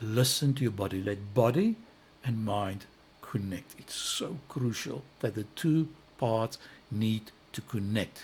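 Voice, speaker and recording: Somewhat breathy and at a medium pitch, a man talks at a very slow pace with ordinary pitch variation. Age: 60s. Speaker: spiritual self-help broadcaster. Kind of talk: motivational live broadcast talk. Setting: live online broadcast. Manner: warm, gentle, encouraging.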